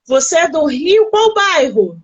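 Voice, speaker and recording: On a phone livestream, a Carioca woman from Rio de Janeiro, Brazil, interviews an author in a casual, chatty way full of exclamations, in Brazilian Portuguese. Her high voice is very animated at a measured pace, and the audio sounds dull.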